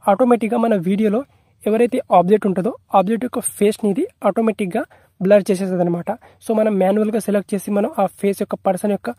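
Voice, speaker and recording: A man's voice: high voice, warm tone, husky, dry recording, studio quality. A man narrating an app tutorial in a repetitive, instructional way, mixing in English tech terms.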